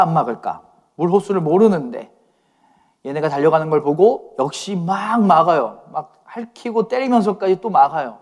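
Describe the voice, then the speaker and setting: A man's voice: high-pitched, a little mellow. A man pastor giving a conversational youth sermon, often asking his listeners questions.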